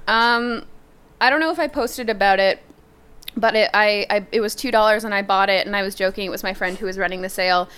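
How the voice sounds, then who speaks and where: A woman's voice: mid-range voice, steady tone, brisk, fairly bright tone, clean tone. A woman co-hosting a podcast in casual chat, rambling in a self-deprecating, sweary way. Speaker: podcast co-host.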